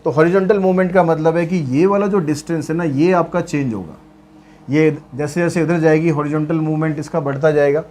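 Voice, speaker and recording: A man's voice: fairly high pitch, fairly even intonation, fairly quick, a little mellow, slight background noise. A man teaching maths, walking through worked problems in a chatty way with asides and jokes. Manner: chatty, mixes English terms into speech, light jokes.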